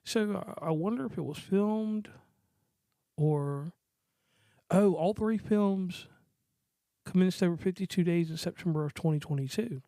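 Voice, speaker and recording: A man co-hosting a casual movie review podcast, talking in a relaxed, rambling, joking way. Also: sits high, unhurried, long pauses, dry recording. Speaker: podcast co-host.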